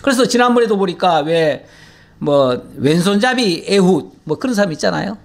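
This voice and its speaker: A man's voice: sits high, lively intonation, normal speed, vocal fry. A middle-aged male pastor giving a folksy, conversational Bible teaching sermon, acting out prayers in a pleading voice. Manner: folksy, acts out prayers in a pleading voice, laughs often.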